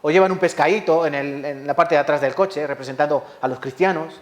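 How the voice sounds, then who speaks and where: A male pastor from Spain preaching a sermon in a church hall, his voice sitting a little high. He tells his stories dramatically, throwing out rhetorical questions and acting out sounds as he goes. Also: a little fast.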